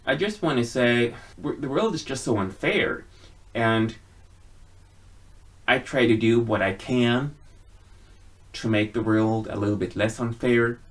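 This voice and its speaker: A man giving a casual personal monologue to viewers in an earnest, halting way, with frequent pauses. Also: medium pitch. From Sweden. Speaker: video blogger.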